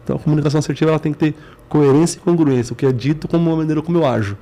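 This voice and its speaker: A man's voice: on the high side, rapid-fire, dark tone. A man with a Brazilian accent, a company CEO appearing as a guest, explaining his points earnestly in short stacked phrases. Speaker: guest, business management CEO. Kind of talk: explanatory interview talk.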